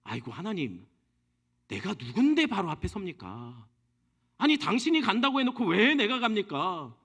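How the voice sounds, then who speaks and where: A man's voice: high voice, very animated, normal speed, a bit bright, husky, heavily acted. A man voicing Moses as a stubborn, whiny man who keeps making excuses and pleading. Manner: pleading and argumentative.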